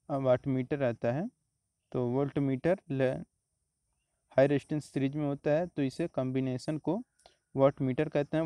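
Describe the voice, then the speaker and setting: A man, teaching exam questions step by step in a steady, explanatory way. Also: mid-range voice, clean tone, no room sound. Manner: steady explanatory, repeats answers, frequent "तो देखिए" and "आपका".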